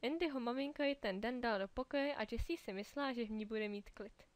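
A woman reading a children's storybook aloud in a clear, lively way, giving the characters small voices of their own. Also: on the high side, dry recording.

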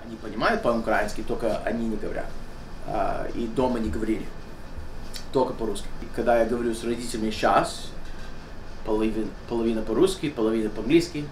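A man's voice: lowish voice, background noise. Canadian guy, 30s, dentist, choppy russian with english bits, echoey little office. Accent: English-speaking Canadian. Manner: mixes English into halting Russian. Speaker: dental surgeon. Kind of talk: casual interview. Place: small dental office.

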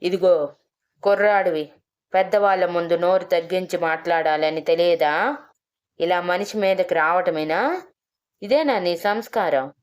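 A woman's voice: fairly low pitch, a little slow, pauses often, clear, resonant tone, lightly acted. A woman voicing a meddling older male village president who taunts and gossips in a storybook reading. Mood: scolding.

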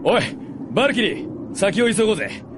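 An actor playing a gruff, proud undead warrior and brooding older brother in a Japanese radio drama. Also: male voice, sits high, sing-song, a little fast, noisy background. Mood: gruff, irritated. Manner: brooding, rough-spoken, heartfelt.

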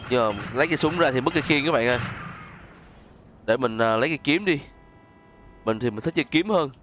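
A man's voice: mid-range voice, expressive, a little fast, a little hiss or hum. A man hosting a gaming video with casual, chatty gameplay commentary, exclaiming often and addressing viewers as friends. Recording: voice over loud game music and effects.

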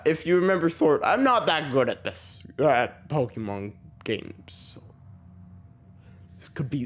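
Slow-talking man with a sore throat. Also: on the high side. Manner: rambling, self-deprecating, chuckles often. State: sore throat with a slight cough. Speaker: gaming channel host. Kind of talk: casual let's play commentary.

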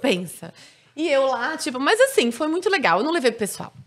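A woman from Brazil tells stories on a podcast in a loose, chatty way, leaning on filler words. Her voice sits a little high. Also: big pitch swings, a little fast. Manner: chatty storytelling with frequent fillers. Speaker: guest. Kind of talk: casual podcast chat.

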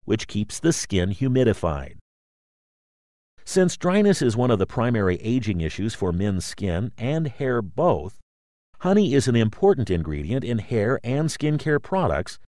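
A man reading a scripted promotional explainer as a voice-over, in a polished, measured announcer's manner. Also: fairly low pitch, darkish tone, no room sound, studio quality. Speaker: voice-over narrator.

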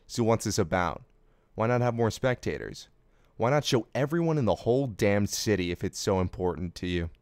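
A man's voice: on the low side, expressive, normal speed, a little mellow, no room sound, clean studio sound. A man playing a bitter, sardonic, taunting character in an audio drama. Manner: sarcastic, taunting. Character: sardonic, bitter, foul-mouthed man goading a villain. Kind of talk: anime fan audio drama acting.

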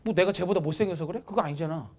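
A woman's voice: on the low side, rapid-fire, slightly rough. A woman math teacher giving students a motivational talk, talking frankly and acting out the voices of people she quotes. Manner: lively, acts out quoted voices, talks down-to-earth to students.

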